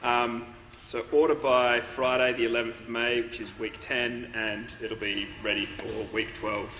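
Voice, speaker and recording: Bright-voiced young man making an announcement. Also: mid-range voice, little pitch movement, measured pace. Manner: casual, with frequent ums. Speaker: student society representative. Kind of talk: class announcement. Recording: echoey lecture hall recording with faint noise.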